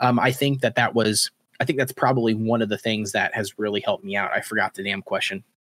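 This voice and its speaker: In a dry, close recording with no echo, a man with an American accent talks at a very fast pace with ordinary pitch variation. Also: medium pitch for a man. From US East Coast, Florida. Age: 20s. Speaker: podcast co-host being interviewed. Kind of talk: casual interview chat on livestream. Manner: halting, many filler ums.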